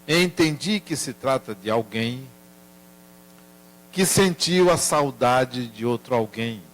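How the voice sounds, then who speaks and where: An older man giving a spiritist lecture, telling a family story in a gentle, measured way. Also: mid-range voice, lively intonation.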